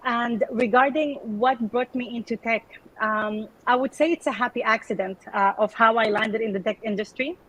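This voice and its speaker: Wanita panelis, suara agak tinggi. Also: female voice, on the high side, normal speed, fairly bright tone, a little hiss or hum, poor audio. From Sudan, raised in Canada. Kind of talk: conversational panel talk.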